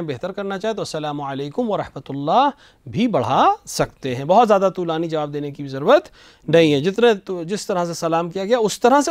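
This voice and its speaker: A man, a religious scholar on a studio TV show, explaining patiently and slowly reciting phrases to show the right pronunciation. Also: on the high side, no room sound. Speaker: religious scholar answering questions. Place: television studio.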